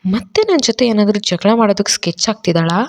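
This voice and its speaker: A woman's voice: mid-range voice, very animated, fast talker. A woman voicing a scheming young woman who puts on a theatrical, wheedling act in a storybook audio drama.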